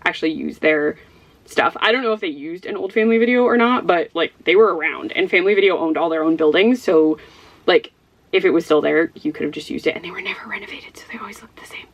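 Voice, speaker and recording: A young woman from Ohio with a Midwestern accent, chatting casually to camera as a book vlogger, rambling and giggling with lots of fillers. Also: on the low side. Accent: Midwestern American. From Ohio, USA.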